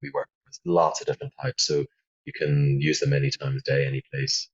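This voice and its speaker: Man, Belfast accent, very low voice, husky, calm flowing talk, muffled lo-fi sound. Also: a little fast. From Northern Ireland. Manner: calm, flowing explanations with frequent fillers. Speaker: guest, founder of a meditation app. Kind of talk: interview conversation. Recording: dull, muffled lo-fi audio.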